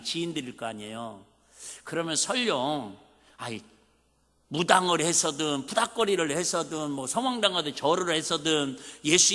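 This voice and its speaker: A fairly high-pitched, bright and forceful male voice belongs to a Jeolla-accented pastor in his fifties. Recorded in a church sanctuary with a reverberant hall sound, he preaches in a folksy, conversational way, firing off rhetorical questions.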